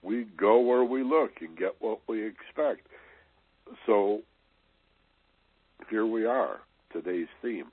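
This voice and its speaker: Husky deep-voiced man on tinny radio. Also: slow, pauses often, no room sound. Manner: conversational, peppers talk with "you know" and "right?". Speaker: radio host. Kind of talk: motivational radio talk. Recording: tinny, dry, band-limited radio sound.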